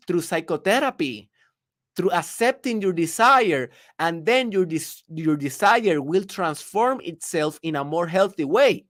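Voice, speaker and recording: A man's voice: a little high, dry recording, studio quality. A man from Puerto Rico with a Spanish accent, a native Spanish speaker, hosting a reflective podcast monologue in an earnest, repetitive, lecturing way. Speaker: podcast host.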